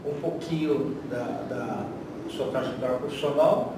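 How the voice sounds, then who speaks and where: A man's voice: medium pitch, measured pace. A man with a Brazilian accent hosting a conversational interview, explaining things and checking in as he goes. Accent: Brazilian Portuguese. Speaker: interviewer, host. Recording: very echoey, noisy room, distant microphone.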